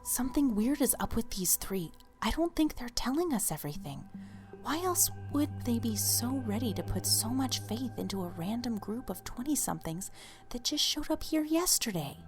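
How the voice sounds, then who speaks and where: A woman's voice: fairly high pitch, sing-song, normal speed, faint music behind. Woman doing a wary twenty-something gal in an audio drama, wry and casual, voice moves around a lot. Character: suspicious, plain-spoken woman in her twenties.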